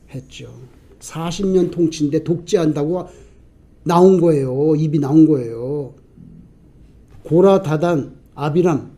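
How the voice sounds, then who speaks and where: Man, pastor, sermon, high pitch, mellow tone, rhetorical questions, shifts between loud and quiet. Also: breathy edge. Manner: asks the congregation rhetorical questions and answers them; dynamic, swinging between loud emphasis and quiet asides.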